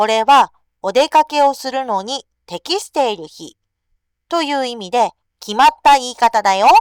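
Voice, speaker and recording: A cartoonish character voice with lively intonation comes through dry and close, with no echo. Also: woman, high pitch for a woman, moderate pace. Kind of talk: language lesson explanation. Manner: clear, patient.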